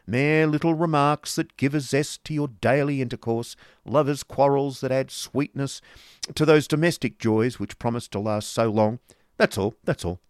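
A man voicing a bitter, scornful businessman with a rough voice and sardonic, falsely polite manner in a storybook reading. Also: mid-range voice, normal speed, hardly any pauses, no echo, clean studio sound, voice pushed up, close to an everyday voice. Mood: bitterly sardonic. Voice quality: rough, grating. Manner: forceful, curt, sardonic.

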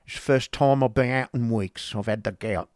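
A man's voice: mid-range voice, normal speed, a little mellow, dry recording, studio quality, pitched above the performer's own voice, close to an everyday voice. A man voicing an odd, terse male clerk from a Victorian novel, with an abrupt, blunt manner. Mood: brusque.

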